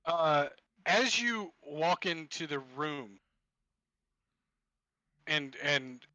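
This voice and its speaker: A man narrating a tabletop session as game master, laying out each scene piece by piece. His voice is a bit high and bright, and he talks slowly into a dry, close mic. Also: animated, no room sound, dull audio. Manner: descriptive, piecing scenes together with restarts.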